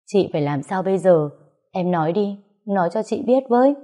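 A woman's voice: mid-range voice, lively intonation, fairly quick, mellow, close to an everyday voice. A woman voicing a weeping, remorseful older sister who pleads and frets. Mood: tearful. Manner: tearful, pleading.

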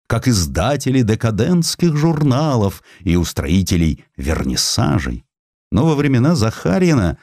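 A man's voice: fairly low pitch, a little mellow, no room sound, studio quality. A man reading literary narration as an audiobook narrator, with theatrical storytelling delivery. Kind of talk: expressive scripted literary narration.

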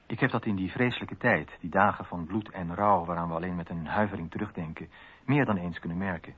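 An actor playing a man who gives solemn, deliberate testimony about his friend in a radio drama. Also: low-pitched, slightly rough. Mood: solemn, mournful. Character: grieving male friend of a philosopher, giving testimony. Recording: thin phone-like radio sound.

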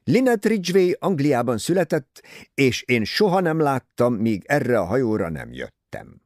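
A man's voice: mid-range voice, very animated, darkish tone, no room sound, clean studio sound, pitched above the performer's own voice. A man voicing a snobbish, indignant elderly woman in an audiobook reading. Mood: haughty. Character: haughty elderly American lady, snobbish and indignant.

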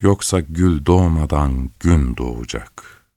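A man's voice: a bass voice, takes it slowly, dark tone, dry recording, clean studio sound, voice pushed down, heavily acted. A man voicing an urgent, pleading rose tree in a storybook reading. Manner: urgent, imploring.

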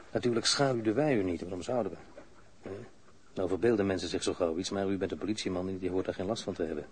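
An actor playing a calm, dryly humorous police officer in a radio drama, with a clipped, matter-of-fact delivery. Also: male voice, fairly low pitch, close to an everyday voice. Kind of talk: radio drama acting, dialogue. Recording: noisy older radio drama recording.

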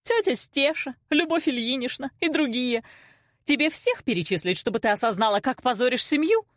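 A woman voicing a hysterical middle-aged mother in an audiobook, loud, dramatic and accusing. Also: sits high, expressive, normal speed, dry recording, clean studio sound, voice pushed up. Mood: accusing, tearful. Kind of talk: audiobook character acting.

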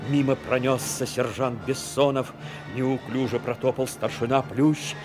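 A man's voice: medium pitch, fairly even intonation, unhurried. A man reading scripted literary narration for a dramatic audio play. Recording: music under the voice.

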